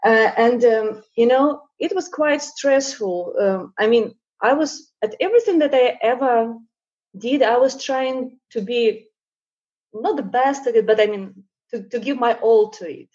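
A woman's voice: fairly high pitch, a little slow, a little mellow. Russian-born woman with a dull lo-fi sound. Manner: hesitant, many fillers, laughs often. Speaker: guest, painter. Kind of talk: casual interview chat.

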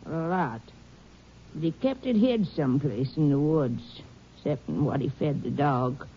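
A woman's voice: low voice, lively intonation, unhurried. A woman playing a fearful, fiercely protective old backwoods mother with a rural American accent in a radio drama. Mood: sullen, grudging. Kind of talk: 1950s radio drama acting. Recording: dull, noisy old radio recording.

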